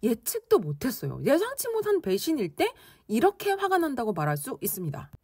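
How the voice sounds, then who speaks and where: A woman teaching English conversation in Korean, lively and playful, acting out angry reactions as she explains expressions. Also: high-pitched, brisk, breathy edge, dry recording, studio quality.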